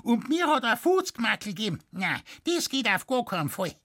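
A man voicing a shrill, nosy, greedy old Bavarian woman who scolds and yaps, with a Bavarian accent. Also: sing-song, moderate pace, a bit bright. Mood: shrieking indignant. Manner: yapping and snappish.

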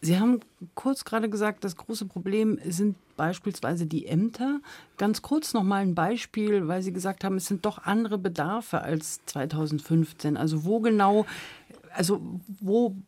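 Brief: female discussion host, mid-pitched voice, dry studio sound, direct questions. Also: moderate pace, dark tone, dry recording. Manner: probing, brief follow-up questions. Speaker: radio host, moderator.

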